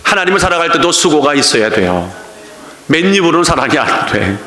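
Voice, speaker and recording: A male pastor preaching a lively sermon, acting out little scenes and laughing often. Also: on the high side, fairly quick. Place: church sanctuary. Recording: echoey church hall.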